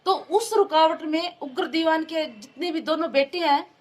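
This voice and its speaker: A woman's voice: very high voice, normal speed. A woman giving an urgent, pleading account to a reporter, often addressing him as sir. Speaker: interviewee recounting an assault. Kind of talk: emotional testimony to a reporter.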